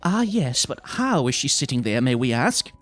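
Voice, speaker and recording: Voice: mid-range voice, big pitch swings, moderate pace, soft background music, pitched above the performer's own voice, close to an everyday voice. A narrator voicing a haughty, officious woman witch with a prim, bossy, formal manner in a story.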